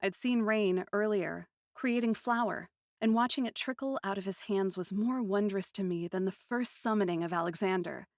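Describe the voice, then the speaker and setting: A woman narrates a story in the first person. Her mid-pitched voice is deliberate and poetic, often hushed and dramatic. The recording is close and very dry. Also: no room sound.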